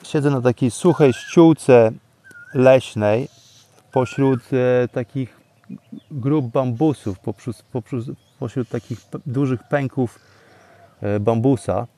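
A man leads a guided breathing meditation in a dark, relaxed voice at an average male pitch. He speaks deliberately and soothingly, leaving pauses between phrases. He is outdoors in a forest, with birdsong around him. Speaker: podcast host and meditation guide. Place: outdoors, sitting in a forest among bamboo. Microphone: microphone exposed to wind.

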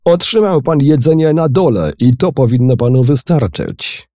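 A man's voice: fairly low pitch, huge pitch swings, measured pace, mellow, husky, no room sound, clean studio sound, pitched above the performer's own voice, heavily acted. A man voicing an angry, bullying male ship captain who bellows and blusters in a storybook reading. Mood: roaring.

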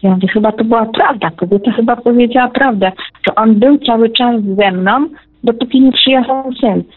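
A woman's voice: a little high, moderate pace, no room sound. Talkative woman on a tinny phone line. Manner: talkative, repeats herself, emphatic. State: widowed, close to tears. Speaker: caller. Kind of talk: emotional personal account. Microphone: telephone.

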